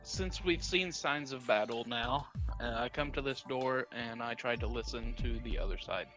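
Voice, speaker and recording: Male role-play gamer, casual chat, average pitch, faint background music. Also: normal speed, a bit bright. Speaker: tabletop game player.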